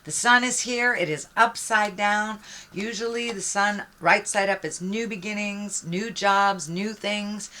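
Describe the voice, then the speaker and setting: A woman's voice: medium pitch, a little slow, sharp tone. A woman giving an unscripted tarot reading as host, speaking reflectively and encouragingly, straight to the listener. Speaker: tarot card reader, host.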